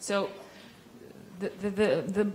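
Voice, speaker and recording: A woman speaks with a somewhat breathy voice over light background noise. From Iceland. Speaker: agency director; conference presenter. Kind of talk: lecture; conference talk. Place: hall.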